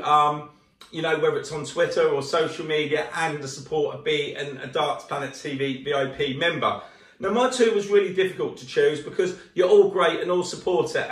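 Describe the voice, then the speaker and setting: A middle-aged man hosting his own channel, announcing prize winners in an enthusiastic, chatty way, a little croaky from a cough, filmed in his living room. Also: fairly high pitch, fairly bright tone. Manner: enthusiastic, chatty, gestures while talking. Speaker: channel host. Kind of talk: upbeat announcement to viewers. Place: living room at home, indoors. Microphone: camera across the room. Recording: roomy echo from a distant camera mic.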